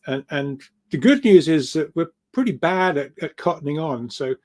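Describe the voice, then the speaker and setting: A man speaking informally as an interview guest, halting and often stammering over repeated words. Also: a little high, lively intonation, a little mellow. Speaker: guest speaker, grid researcher.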